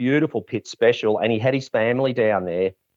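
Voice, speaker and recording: A man with an Australian accent, medium pitch and a moderate pace. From Victoria, Australia. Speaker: model aircraft hobbyist. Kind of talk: casual chat.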